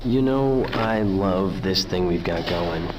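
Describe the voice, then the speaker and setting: A man's voice: low-pitched, slow pace, very noisy. A man playing a whiny, pushy young boyfriend pressuring his girlfriend in a video game. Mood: whiny, pleading.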